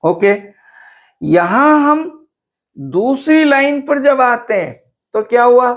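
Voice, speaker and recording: A man's voice: very high-pitched, expressive, slow. A man teaching English poetry, explaining verse meter and rhyme scheme. He switches between Hindi and English and repeats key terms for emphasis.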